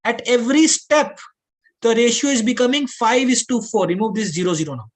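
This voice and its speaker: A man's voice: very high-pitched, fairly quick. South Asian male teacher explaining step by step. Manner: repetitive, checks understanding with questions; mixes English with Hindi. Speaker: aptitude teacher. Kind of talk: classroom lesson, explaining step by step.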